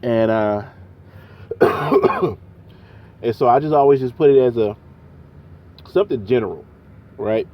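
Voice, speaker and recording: A man's voice: medium pitch, a little slow, pauses often, dull audio, a little hiss or hum. A man with a chest cold, coughing now and then, talking loosely and casually in a vlog. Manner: loose, chatty, slangy. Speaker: vlogger; truck driver.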